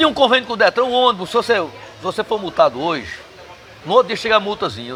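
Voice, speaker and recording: A voice swinging very widely in pitch, heard over noticeable background noise. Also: man. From Brazilian Northeast (Paraíba). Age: 70s. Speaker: political activist and city council candidate. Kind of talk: interview. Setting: bar with audience. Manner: animated.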